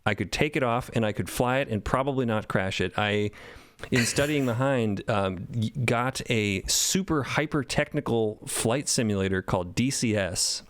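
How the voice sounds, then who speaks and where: A man's voice: medium pitch, moderate pace, dry recording, studio quality. A man chatting casually as a podcast panelist, enthusiastic and emphatic, with the odd swear word. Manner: enthusiastic, emphatic, mildly profane. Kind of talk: casual roundtable chat.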